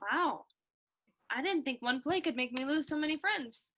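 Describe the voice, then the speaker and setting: Comedy lead for a woman: insecure student playwright, earnest, hesitant, high sharp voice. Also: expressive, normal speed. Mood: dejected. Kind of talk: staged reading of comedy sketch.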